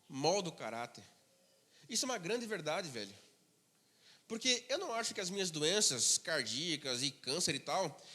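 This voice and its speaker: High bright-voiced pastor, hall echo. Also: male voice, husky. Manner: conversational storytelling, drops to a low murmur for asides. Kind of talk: sermon. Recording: long hall reverb.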